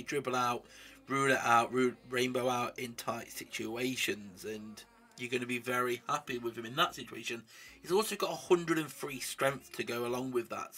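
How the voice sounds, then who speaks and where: A young man with a blocked nose talks casually and upbeat as he plays a mobile football game. His tone is bright and forward, with a husky, slightly rough edge. He rattles through stats like a chatty gaming YouTuber. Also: mid-range voice. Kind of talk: casual gameplay commentary.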